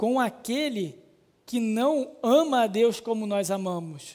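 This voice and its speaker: In a very clean recording with a silent background, a man with a high pitch speaks very slowly with ordinary pitch variation. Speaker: pastor. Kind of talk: sermon. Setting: church.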